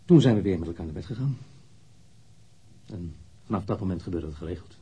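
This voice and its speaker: Radio drama role: wounded, indignant man under questioning; deep, very husky, blunt delivery. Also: expressive, a little fast, dark tone, heavily acted. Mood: matter-of-fact. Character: defensive, wounded male lover questioned by police.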